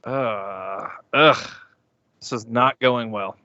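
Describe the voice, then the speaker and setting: A man's voice: mid-range voice, drawn-out words, pushed and bright, dry recording. A man speaking casually as a player in a tabletop game, recorded on a slightly dull microphone.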